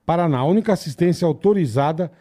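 A man's voice: fairly high pitch, lively intonation, mellow. A man co-hosting a casual podcast, cracking jokes and chiming in with approval. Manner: jokey, quick interjections of approval. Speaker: podcast co-host. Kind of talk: casual chat.

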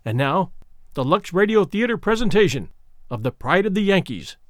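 A man's voice: high voice, very animated, normal speed, fairly bright tone, dry recording, clean studio sound. A man hosting a podcast, giving a scripted introduction. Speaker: podcast host.

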